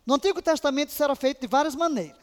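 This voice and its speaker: A woman Bible teacher giving a fervent, emotional lesson on intercession, now and then breaking into soft laughs. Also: sits high, very fast. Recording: long hall reverb.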